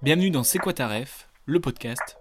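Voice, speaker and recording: A man hosts a podcast with a wry, joking manner and lots of wordplay. His voice sits at a middling pitch. Faint music runs behind him. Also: expressive, normal speed. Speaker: podcast host. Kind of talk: scripted comic intro, then casual chat.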